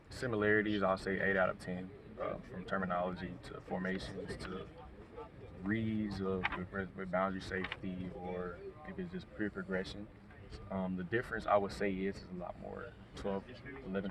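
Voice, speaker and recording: Low, flat-voiced young college quarterback. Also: male voice, moderate pace. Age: young adult. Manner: soft-spoken, many ums and you knows. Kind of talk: outdoor media interview. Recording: loud background noise outdoors.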